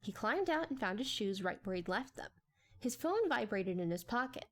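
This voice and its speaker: A woman's voice: on the high side, big pitch swings, moderate pace. A woman reading a story as a scripted, dramatic narration.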